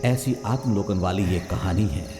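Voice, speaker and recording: A man speaking a solemn, measured voice-over narration for a dubbed film. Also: low voice, over music, close to an everyday voice. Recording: reverberant with film score behind.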